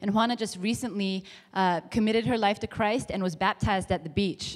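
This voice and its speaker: A woman speaks in a plain, everyday voice at a medium pitch, with ordinary pitch variation. Her pace is fairly quick and her loudness stays very even. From Canada, British Columbia. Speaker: missionary youth worker. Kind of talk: church talk. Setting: church.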